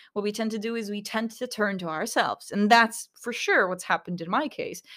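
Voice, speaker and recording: In a very clean recording with a silent background, a woman speaks with an American accent at a moderate pace. Her fairly high pitch shows ordinary variation. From Kosovo. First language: Albanian. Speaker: podcaster. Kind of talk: reflective solo monologue.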